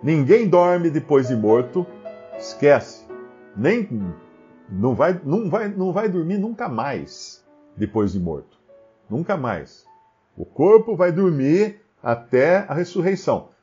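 A man's voice: fairly high pitch, very animated, slow pace, warm tone, soft background music. A man with a Brazilian Portuguese accent giving a Bible study commentary, firing rhetorical questions and often restarting his sentences. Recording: slightly dull lo-fi recording.

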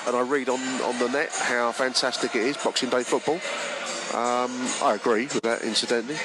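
A man's voice: medium pitch, rough recording. Nasal Englishman with a head cold. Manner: chatty, rambling asides to the listener. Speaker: podcast host and fan commentator. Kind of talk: casual matchday commentary from the stands. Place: football stadium stands, outdoors.

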